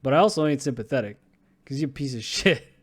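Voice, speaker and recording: A man's voice: mid-range voice, lively intonation, quick pace. Blunt, ranting young man on a podcast. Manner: blunt, profane, ranting with laughs. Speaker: podcast co-host. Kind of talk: casual sports chat.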